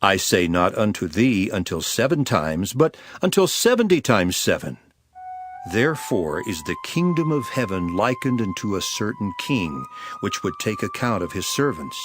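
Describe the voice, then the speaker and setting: A man playing Jesus as a solemn, authoritative teacher in a dramatized Bible reading, speaking in an emphatic, measured way. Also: lowish voice, big pitch swings, fairly bright tone, faint music behind. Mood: solemn storytelling.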